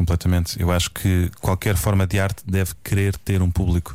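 This man's voice sits very deep and low, with a dark, mellow tone. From Portugal. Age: 20s. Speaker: orchestra conductor. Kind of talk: casual radio interview.

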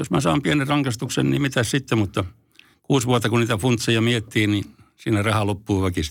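In a very clean recording with a silent background, a man with a normal speaking voice speaks at a medium pitch with lively intonation. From Forssa, Tavastia, Finland. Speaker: former art forger and card sharp. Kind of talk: interview.

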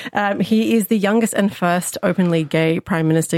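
A woman's fairly low, fairly quick voice with an Australian accent, dry and close with no echo. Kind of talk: radio panel discussion. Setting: radio studio.

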